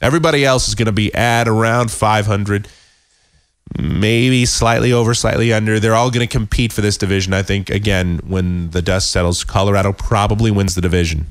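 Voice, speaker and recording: A man hosting a casual sports podcast, hoarse and sick with a cold, talking in a rambling, self-deprecating way with many halting restarts. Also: lowish voice, fairly even intonation, no room sound, studio quality. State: hoarse, losing his voice. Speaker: podcast host.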